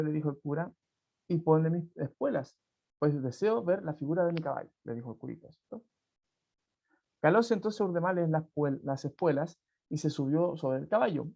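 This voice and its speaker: A Chilean man teaching an online class reads a folk tale and explains it, chatty and full of tag questions and restarts. His voice is a little high with vocal fry, coming through dull, lo-fi video call audio.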